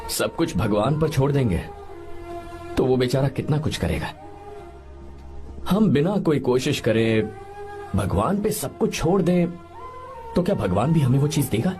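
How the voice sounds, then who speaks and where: An earnest young man who reassures and explains in a dubbed film. His voice is animated, moving up and down a lot. A loud film score runs under him. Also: mid-range voice, measured pace, long pauses, faint music behind. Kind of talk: Hindi film dub.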